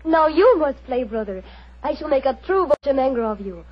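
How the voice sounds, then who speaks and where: An actress playing a passionate young gypsy fortune teller and fiddler in an old radio drama, speaking in formal, theatrical, solemn phrases. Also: female voice, sits high, expressive, moderate pace. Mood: proud, inviting. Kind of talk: 1940s radio acting. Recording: muffled old radio recording.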